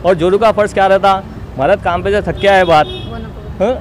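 High-pitched insistent young Hyderabadi man. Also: steady tone, moderate pace, rough recording. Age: young adult. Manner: insistent, repetitive, self-justifying. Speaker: interviewee giving a statement to local news. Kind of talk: spoken personal testimony to reporters. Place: outdoors beside a street wall. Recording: outdoor street noise behind.

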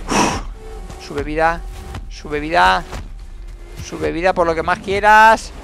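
Brief: high-pitched man with a gravelly edge, calling out gameplay in excited repeated bursts, faint game noise behind. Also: faint music behind. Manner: excitable, repeats words in rapid bursts, talks to himself. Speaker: gaming YouTuber. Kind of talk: live gameplay commentary.

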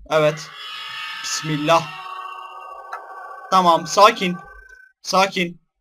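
Jumpy, high-voiced young man gaming. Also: slight background noise. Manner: jumpy, shouts in fright then jokes. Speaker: gaming YouTuber. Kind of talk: horror game let's play commentary.

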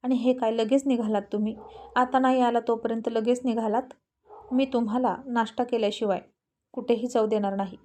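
A woman's voice: fairly high pitch, steady tone, fairly quick, mellow, lightly acted. A woman voicing a worried, insistent young pregnant wife in a spoken story, pleading and stubborn.

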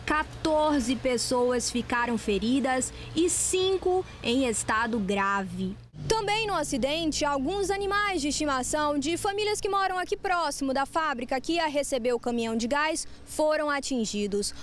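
A woman reporter narrating a TV news story with a crisp reporting cadence. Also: high voice, expressive, moderate pace, a little hiss or hum.

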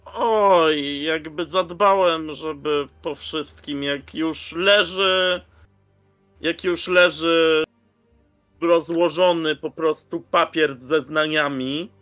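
Slow, bright-voiced man playing a roleplaying game. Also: fairly high pitch, fairly even intonation, no echo. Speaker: player in a tabletop roleplaying game. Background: music.

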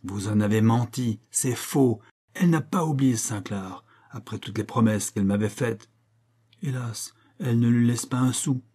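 A man voicing an unhinged old male hermit with a raspy, stammering voice, shrieking and ranting in an audiobook. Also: medium pitch, normal speed, mellow, natural voice. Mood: indignant. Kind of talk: audiobook character voice.

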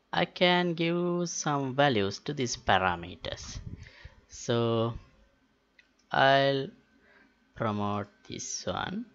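A man talking through a software tutorial unscripted, thinking aloud in a halting way with pauses mid-sentence. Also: mid-range voice, creaky. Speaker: tutorial host. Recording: dull, muffled lo-fi voice-over. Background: keyboard typing and mouse clicks.

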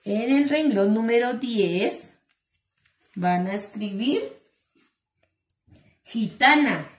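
Woman teacher, patient and slow, sounding out syllables for small children, echoey room. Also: on the high side. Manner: slow, syllable-by-syllable dictation with endearments. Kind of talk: online class for young children.

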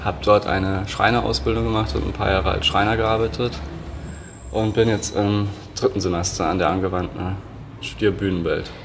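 A man's voice: lowish voice, fairly even intonation, moderate pace, gravelly, noisy background. A man in his twenties from Munich, a stage design student, talking casually in an interview with lots of filler words. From Munich, Germany. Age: 20s. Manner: loose, filler-heavy, many "irgendwie". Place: indoor studio room.

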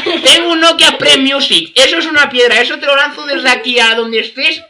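Young man, Spain accent, very high pitch, piercingly bright, joking mocking banter, noisy home recording. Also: fairly even intonation, fairly quick. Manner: mocking, clowning. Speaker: YouTube gamer. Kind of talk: joking prank phone banter.

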